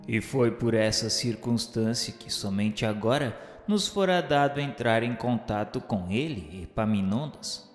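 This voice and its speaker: A man's voice: medium pitch, animated, measured pace. A man with a Brazilian accent reads solemn scripted narration for a spiritual radio novel, with formal, oratorical diction. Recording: echoey hall reverb, music underneath.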